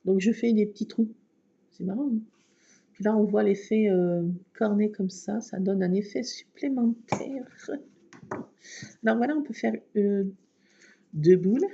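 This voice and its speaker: Gravelly-voiced chatty woman crafting. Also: mid-range voice, unhurried, pauses often, dark tone. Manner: chatty, self-mocking, laughs often. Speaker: craft vlogger. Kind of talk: casual chat while crafting. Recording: dull lo-fi recording.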